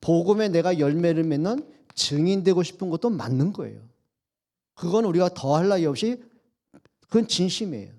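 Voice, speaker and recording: A man's voice: high-pitched, lively intonation, moderate pace, warm tone. A man preaching a Sunday sermon in a church. He asks the congregation questions, answers them himself, and acts out quoted speech in his own voice. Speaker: pastor. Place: church sanctuary.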